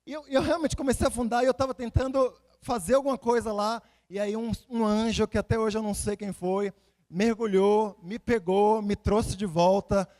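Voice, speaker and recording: High-pitched Bahian male preacher. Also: moderate pace. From Salvador, Bahia, Brazil. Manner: animated storytelling, repeats phrases for emphasis, rhetorical questions. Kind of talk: conversational sermon with personal anecdotes and scripture readings.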